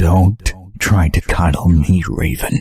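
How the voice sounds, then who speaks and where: Using a put-on character voice, a man speaks fairly slowly at a very deep, low pitch with ordinary pitch variation. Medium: audio drama. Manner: brooding.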